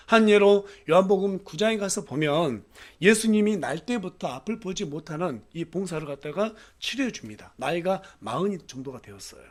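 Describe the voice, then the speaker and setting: A man with a notably high voice delivers a Sunday sermon from the pulpit. He preaches earnestly, leaning on rhetorical questions and little affirming fillers between phrases. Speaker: pastor. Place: church.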